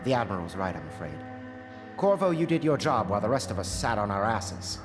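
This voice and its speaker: An actor playing a blunt conspirator who talks in a hushed, gruff way. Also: male voice, lowish voice, big pitch swings, fairly quick. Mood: relieved. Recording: reverberant hall with music.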